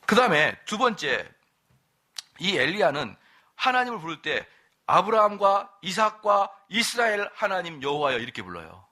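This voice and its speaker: A middle-aged man preaching at an evening church service with a bright, ringing voice that pitches a little high. His delivery swings widely in pitch as he quizzes the congregation and slips in quick asides. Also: big pitch swings. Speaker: pastor. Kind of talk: sermon.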